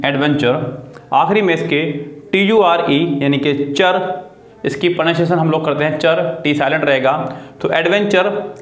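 A man whose voice is somewhat high for a male teaches grammar in a classroom-style video lesson. He spells words letter by letter and keeps asking his students questions, with the echo of a bare room on the recording.

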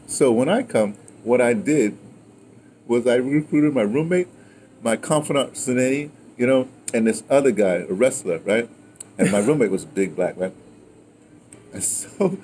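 A man in his sixties with an American accent, chatting casually and telling stories in a digressive, animated way. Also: mid-range voice, normal speed. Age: 60s. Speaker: host of an audio memoir channel. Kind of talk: casual storytelling chat. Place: outdoors on a patio in daylight. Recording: outdoor ambient noise.

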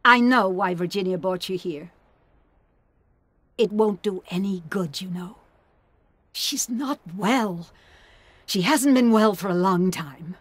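A woman's voice: medium pitch, slow pace, pauses often, no room sound. An actress playing a self-pitying elderly mother-in-law in an audio drama, with a martyred, disapproving manner. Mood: bitter, disapproving. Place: studio booth. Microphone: studio condenser with pop filter.

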